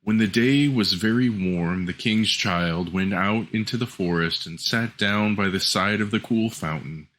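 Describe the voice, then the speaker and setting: Bright, low-pitched male storyteller. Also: measured pace, few pauses. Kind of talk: scripted fairy tale narration.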